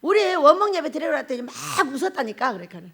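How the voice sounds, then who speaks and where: A middle-aged woman pastor delivering a sermon with a high, bright-pitched voice. Her intonation swings widely as she talks. She laughs often and keeps asking her listeners questions. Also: fast. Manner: animated, laughs often, asks the congregation questions.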